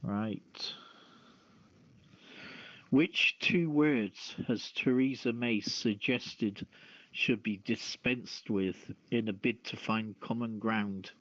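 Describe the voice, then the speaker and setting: A man's voice: fairly low pitch, drawn-out words, fairly bright tone, no echo. A man casually hosting a quiz as the question master. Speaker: quiz host. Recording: dull lo-fi dry audio.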